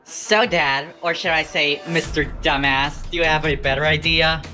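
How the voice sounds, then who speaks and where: A woman's voice: deep voice, steady tone, normal speed, music in the background, natural voice. A woman voicing a blunt, sassy teenage heroine in a fan parody cartoon dub.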